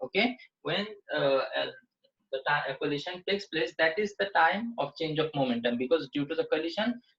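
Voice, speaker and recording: The words come at a moderate speed. A Bengali accent colors them. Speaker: physics teacher. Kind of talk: online class lecture.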